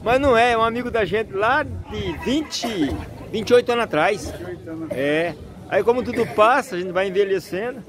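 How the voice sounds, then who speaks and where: A man's voice: sits high, normal speed. An older man talking to his own camera at an outdoor street market in a casual, chatty way, often laughing. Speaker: vlogger. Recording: busy market crowd behind.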